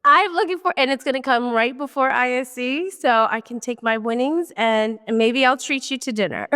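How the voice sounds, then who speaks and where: A woman's voice: sits high, normal speed, bright, forceful tone, big-room sound. A woman from the Washington DC area, co-hosting a podcast in casual chat, a little nasal from a cold, laughing often and wandering into asides. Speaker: podcast co-host.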